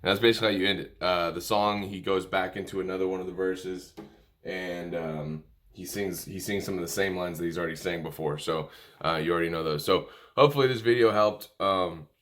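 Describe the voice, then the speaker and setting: A man's voice: low voice, brisk, fairly bright tone. A man presenting an informal music tutorial, talking through notes hesitantly as if thinking aloud. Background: musical instrument playing.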